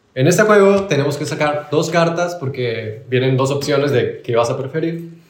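A man with a fairly high pitch talks at a moderate pace with ordinary pitch variation, in an unremarkable speaking voice. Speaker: podcast co-host. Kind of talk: casual chat.

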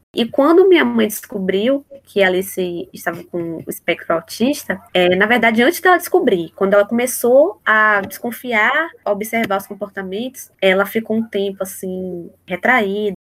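A woman with an ordinary speaking voice talks at a moderate pace and medium pitch, her intonation lively. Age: 20s. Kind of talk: interview.

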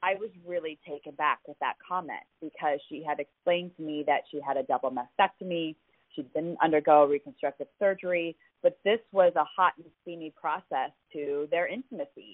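With an American accent and an unremarkable speaking voice, a woman talks at a moderate pace and fairly low pitch, showing ordinary pitch variation and big swings in loudness. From Ohio, US Midwest. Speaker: lingerie brand founder and fashion designer. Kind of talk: interview.

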